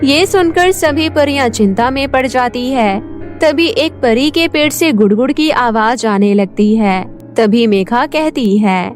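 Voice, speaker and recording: A woman's voice: fairly high pitch, lively intonation, measured pace, faint music behind. A woman reading scripted narration for a children's cartoon story.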